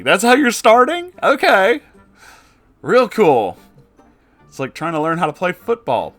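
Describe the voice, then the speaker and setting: A man reading submitted stories aloud in a casual way, breaking in with animated, sarcastic and often sweary commentary. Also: fairly high pitch. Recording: music behind the voice. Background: music.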